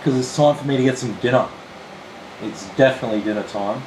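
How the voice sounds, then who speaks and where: A man with an Australian accent, slightly hoarse, casually talking viewers through a computer build on a live stream. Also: mid-range voice, fast talker. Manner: relaxed, chatty, explains steps plainly. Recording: roomy with steady air-conditioning hum.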